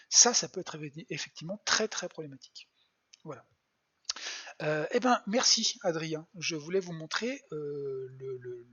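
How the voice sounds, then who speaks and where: Bright, husky planetarium educator on a muffled stream. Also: mid-range voice. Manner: patient explaining, hesitant fillers, muttered asides to self. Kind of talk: live online astronomy demo for kids. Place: at home.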